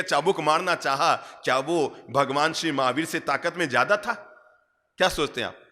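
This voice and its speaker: A man preaching a sermon, animated, asking the audience questions and repeating phrases for emphasis. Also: fairly high pitch. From India. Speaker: Jain monk preacher. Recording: long hall reverb.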